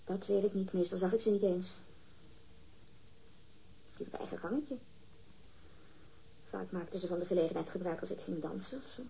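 A woman's voice: lowish voice, steady tone, moderate pace, gravelly, pauses often, dark tone, a little hiss or hum. An actress in a radio drama playing a catty, defensive woman witness, disdainful and emphatic as she gossips. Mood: curt, defensive. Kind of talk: acted radio drama dialogue. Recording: dull, muffled lo-fi radio recording.

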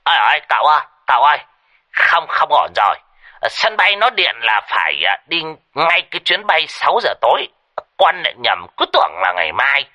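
A man's voice: very animated, pushed and bright, exaggerated voice. A man voicing a flustered old male shaman who talks shrilly and in a hurry over the phone. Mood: panicked. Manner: shrill, hurried. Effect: phone call.

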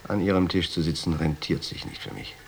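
Radio play role: insistent, calculating rich jeweler, low gravelly voice, quietly threatening. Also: male voice, brisk, a little hiss or hum. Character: insistent, menacing wealthy male jeweler with a pistol. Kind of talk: radio drama acting.

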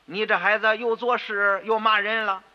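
男说书人扮的谦卑的老豆腐坊掌柜. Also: male voice, sits high, flat delivery, normal speed, pitched above the performer's own voice, natural voice. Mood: placating. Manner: placating, scolding his son gently. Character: humble, anxious old tofu-shop father. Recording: dull radio recording with long reverb.

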